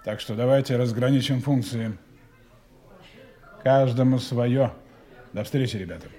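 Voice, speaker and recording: An actor playing a smooth, authoritative German agent giving orders to his team in a radio play, speaking in calm, clipped tones. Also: medium pitch, a little slow, faint music behind, close to an everyday voice. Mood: commanding. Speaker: intelligence operative commanding a team.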